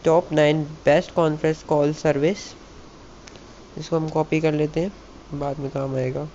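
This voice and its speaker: A man with a South Asian accent, native in Hindi or Urdu, presents a tech video in a slightly high voice. His delivery is halting, with stumbles and repeated words. The recording is dull and lo-fi, with faint background noise. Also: fairly even intonation, warm tone. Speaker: YouTube tech channel host. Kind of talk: tutorial, reading an article aloud with casual asides. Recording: muffled lo-fi mic with background noise.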